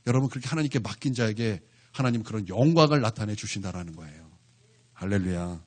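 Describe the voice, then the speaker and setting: This male pastor has a husky, mid-range voice. He preaches animatedly, keeping the congregation engaged with a steady stream of questions.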